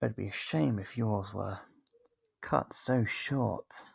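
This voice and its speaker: An actor voicing a smug, possessive, centuries-old vampire in an ASMR roleplay, slow and condescending, with a gravelly, husky voice and whispered phrases. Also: medium pitch, dry recording, exaggerated voice. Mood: smug, hungry. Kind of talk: ASMR roleplay monologue to the listener.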